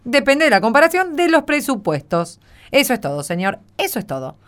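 Woman playing a spirited, high-voiced neighbor. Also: big pitch swings, brisk. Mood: firm. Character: spirited, frank neighborhood woman, wryly firm. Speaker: actor in radio drama. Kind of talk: Spanish-language radio theatre acting.

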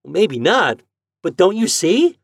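A man's voice: high-pitched, very animated, takes it slowly, creaky, no room sound, clean studio sound, pitched above the performer's own voice, heavily acted. A man voicing an eager, jolly farm boy in a storybook, speaking in rustic old-time country dialect. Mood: eager, boastful. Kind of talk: storybook character voice.

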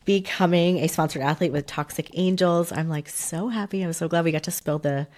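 A woman in her thirties co-hosting a casual podcast, a bit nasal and raspy from a cold, chatty with lots of fillers. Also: on the low side, fairly quick, darkish tone. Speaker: podcast co-host. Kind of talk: casual chat.

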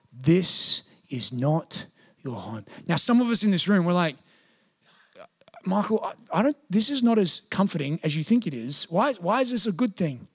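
A man preaches from the pulpit in a high, light voice. He keeps it lively, jumping into playful quoted voices before dropping into slow, earnest stretches. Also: slightly rough. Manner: animated, acts out voices and quotes. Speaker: pastor. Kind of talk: sermon.

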